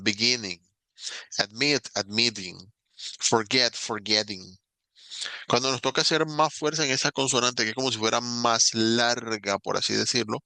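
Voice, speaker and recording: In a recorded online lesson, a male English teacher patiently explains grammar, slowing down to spell out examples. His voice is fairly low and creaky with a sharp tone, and there is no room sound.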